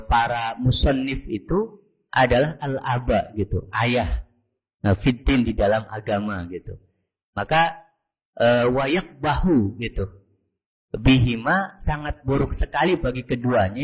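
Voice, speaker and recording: A man with an Indonesian accent, a religious teacher, explaining scholarship in a measured way and quoting Arabic texts. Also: medium pitch, husky, rough recording.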